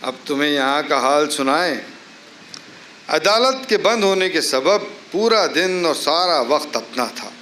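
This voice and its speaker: Live dramatic reading: jailed poet, wry and reflective, very fast delivery, slight background noise. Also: male voice, on the high side, lively intonation, bright, forceful tone. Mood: contented. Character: imprisoned male poet writing reflective, wry letters home to his wife. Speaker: dramatic reader. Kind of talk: staged dramatic reading of letters. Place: live literary festival event in a garden. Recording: faint background noise, live festival stage.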